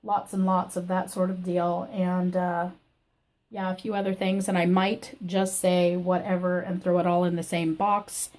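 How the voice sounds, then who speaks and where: A woman with a scratchy, croaky voice from illness, hosting a crafting channel. She gives a rambling, chatty personal update from her home craft room. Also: lowish voice, little pitch movement, measured pace, darkish tone. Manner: rambling and chatty, with many fillers. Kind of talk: casual personal update chat.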